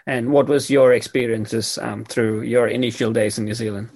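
A man hosts a radio interview in a conversational style. His voice is of medium pitch. He feels his way through questions and comments, halting and rephrasing. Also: flat delivery, a little mellow, breathy edge.

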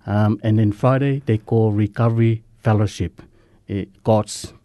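A Samoan man, whose first language is Samoan, speaking earnest, halting English as a guest in a radio interview. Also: on the low side, fairly even intonation, dark tone, dry recording. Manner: earnest, halting, simple non-native English. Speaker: guest sharing recovery story.

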